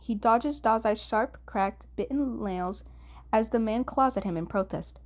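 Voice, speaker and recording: A woman's voice: on the high side, measured pace. Woman narrating fan fiction expressively.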